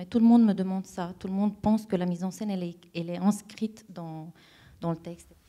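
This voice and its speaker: On a very clean recording with a silent background, a woman with a Romanian accent speaks fairly quickly in a dark, mellow, medium-pitched voice with fairly even intonation. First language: Romanian (speaking French). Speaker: playwright and stage director. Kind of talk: interview. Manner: halting, many repetitions.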